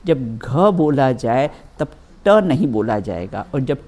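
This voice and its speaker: A woman's voice: a bass voice, big pitch swings, darkish tone. A woman teaching as a religious teacher, reading a scripture text aloud and explaining it with everyday examples, often checking with her listeners. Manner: slow, repeatedly checks with "है ना" and "बिल्कुल"; addresses listeners as children, gives everyday examples.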